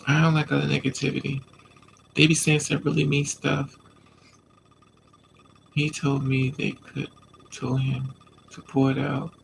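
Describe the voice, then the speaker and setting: A man's voice: mid-range voice, a little slow, gravelly, long pauses, background noise. A man with a stuffy nose from a coming cold, chatting casually on a live stream and answering viewers' comments. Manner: relaxed, chatty, talks back to commenters.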